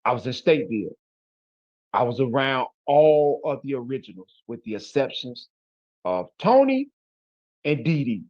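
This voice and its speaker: A man's voice: mid-range voice, very animated, moderate pace, long pauses, a little mellow, no echo, lo-fi sound. A man from Chicago with a Chicago accent, a guest in an interview who talks bluntly and emphatically in street slang. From Chicago, USA. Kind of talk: casual interview talk.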